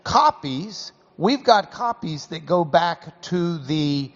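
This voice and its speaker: This Texan host has a voice on the high side and an expressive delivery, and his manner is folksy and full of jokes. He's conducting a live interview in a hall ahead of a class, easing his pace to explain points, captured in dull audio with a long reverb tail.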